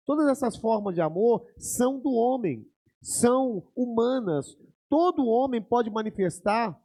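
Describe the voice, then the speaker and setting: Male Brazilian pastor, high voice, warm dark tone, conversational preaching with acted-out quotes. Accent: Brazilian Portuguese. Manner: preaching with frequent "né?" and pauses, acting out quoted dialogue. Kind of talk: sermon.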